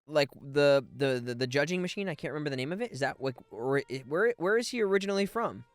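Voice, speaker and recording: A man's voice: a little high, animated, fast, no echo. A man casually commentating on a game as he streams it, playful and rambling as he thinks aloud. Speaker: streamer, voice actor.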